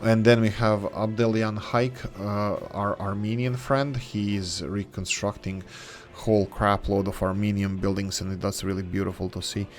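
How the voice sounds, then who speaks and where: A man's voice: lowish voice, level tone, moderate pace, few pauses. A man hosting a gaming video, talking casually and thinking aloud as he builds, with rambling asides and corrections. English is not his first language. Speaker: gaming channel host. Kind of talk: casual let's-play commentary.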